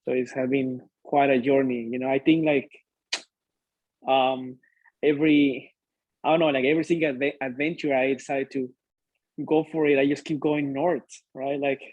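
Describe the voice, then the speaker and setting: Young man, Mexican accent, upbeat guest, even flat intonation, dry close sound. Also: medium pitch, normal speed, dry recording, narrow, tinny audio. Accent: Mexican Spanish. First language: Spanish. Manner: upbeat, often tags sentences with "right?". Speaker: interview guest, PhD student. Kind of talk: casual interview chat.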